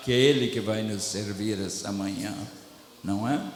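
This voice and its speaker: There is noticeable background noise. A man speaks with audible room echo around him. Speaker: preacher. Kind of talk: sermon.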